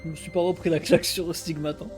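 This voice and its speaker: Mellow-voiced man thinking out loud. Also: a little high, little pitch movement, fast talker, faint music behind. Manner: hesitant, searching for words, fillers like "euh" and "hein". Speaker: streamer reacting to an album. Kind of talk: casual thinking-aloud reaction.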